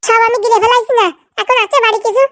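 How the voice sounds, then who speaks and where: Shrill, high-pitched nagging cartoon housewife. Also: fairly even intonation, fairly bright tone, dry recording, studio quality. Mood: scolding, sarcastic. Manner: scolding, sarcastic, rapid-fire complaining. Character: nagging, sharp-tongued village housewife, bossy and scornful. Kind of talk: comedy cartoon dialogue.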